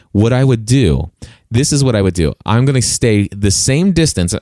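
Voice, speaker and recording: A man's voice: medium pitch, darkish tone, dry recording. A man hosting a podcast, giving casual how-to advice close on a studio mic with enthusiasm. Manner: enthusiastic, demonstrates with sounds. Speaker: podcast host.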